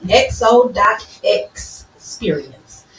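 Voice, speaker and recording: A woman co-hosting a podcast in casual chat, playful and teasing as she gives shout-outs and announcements. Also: mid-range voice, expressive, takes it slowly. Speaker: co-host. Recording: echoey room, distant mic, faint noise.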